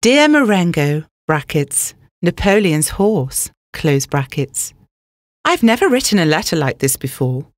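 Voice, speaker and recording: A woman plays a smitten young male racehorse reading out his love letter. The delivery is earnest, gushing and a little vain, in a lowish, very dry studio voice. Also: sing-song, unhurried, no room sound, soft background music.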